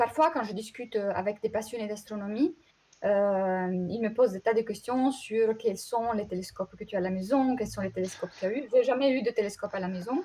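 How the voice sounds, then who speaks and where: A woman with a dark, mellow tone and fairly high pitch talks at a fairly quick pace, her pitch varying in an ordinary way while her loudness swings widely. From Italy, Sanremo (Liguria). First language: Italian (speaking French). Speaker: astronomer. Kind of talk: interview.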